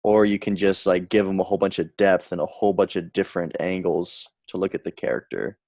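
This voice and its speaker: A man's voice: deep voice, fairly quick, gravelly, darkish tone, no room sound, clean studio sound. A man co-hosting a podcast, thinking aloud in casual chat and restarting his sentences. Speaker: podcast co-host.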